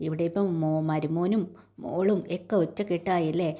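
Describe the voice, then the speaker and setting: A woman's voice: fairly low pitch, fairly even intonation, moderate pace, warm tone. A woman casually retelling a TV serial episode in a chatty way, often ending sentences with a tag that asks the listener to take note. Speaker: serial recap narrator.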